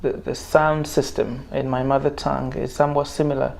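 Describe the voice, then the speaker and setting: A man from Nigeria with a Nigerian accent, a non-native English speaker, talking in a halting, measured and formal way in a discussion. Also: medium pitch, level tone, gravelly, a little mellow, a little hiss or hum. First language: not English. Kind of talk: casual discussion.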